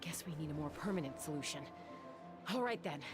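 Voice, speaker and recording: A woman's voice: low-pitched, animated, brisk, loud music behind the voice. An actress playing a tough, protective gunslinger woman in a video game, firm, wry and intimidating. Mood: stern, threatening. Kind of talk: video game character acting.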